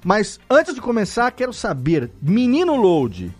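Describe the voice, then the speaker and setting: A man with a Brazilian Portuguese accent hosting a podcast in a lively, joking casual chat. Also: high-pitched, a little slow, slightly rough, no room sound, faint music behind. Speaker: podcast host.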